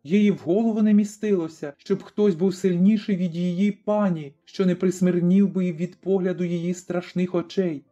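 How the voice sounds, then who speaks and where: Mellow, fairly high-voiced male audiobook narrator. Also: steady tone, normal speed, hardly any pauses. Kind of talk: scripted narration. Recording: slightly dull recording, faint music.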